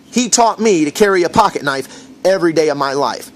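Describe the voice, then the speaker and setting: A man's voice: on the high side, animated, fairly quick. Indignant American man ranting to camera. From USA. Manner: rambling, frequent fillers, indignant. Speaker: vlogger recounting an incident. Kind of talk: casual storytelling rant to camera.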